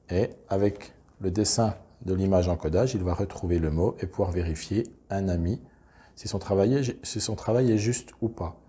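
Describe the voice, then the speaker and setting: A man calmly explaining, step by step, how a classroom reading and spelling activity works. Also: deep voice. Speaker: teacher explaining a reading method. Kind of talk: instructional demonstration.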